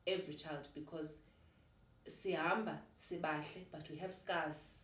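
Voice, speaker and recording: A woman in her forties with a South African Xhosa accent talks in a low voice, with a lively, animated delivery that mixes Xhosa and English. She is recorded from a little distance in an echoey room. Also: measured pace. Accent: South African, Xhosa-speaking. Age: 40s. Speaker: podcast guest. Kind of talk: casual conversational interview.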